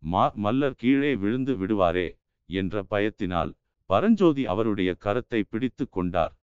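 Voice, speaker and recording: Low, crisp-voiced male audiobook narrator. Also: expressive, darkish tone, no room sound. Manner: measured storytelling. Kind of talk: scripted novel narration. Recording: dull lo-fi audiobook recording.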